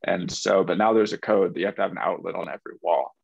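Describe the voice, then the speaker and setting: A man's voice: low voice, fast talker, creaky, no room sound. A man in a casual group discussion on a video call, rambling loosely and filling with "like.". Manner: rambling, uses "like" often, apologetic. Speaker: meetup participant. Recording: dry, dull video call audio.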